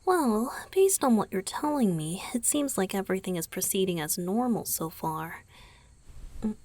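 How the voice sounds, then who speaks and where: A woman voicing a gentle, caring young male vampire boyfriend in an ASMR roleplay, soft-spoken and often whispery, with murmured hums. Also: medium pitch, husky, dry recording, heavily acted. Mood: soothing, attentive.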